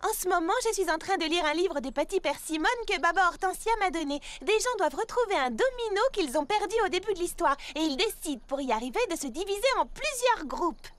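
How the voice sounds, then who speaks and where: A woman's voice: very high voice, expressive, brisk, few pauses. A woman voicing a bookish, helpful young girl who loves telling stories in a children's cartoon, over music. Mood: eager. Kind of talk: French children's cartoon dubbing. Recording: background music under the voice.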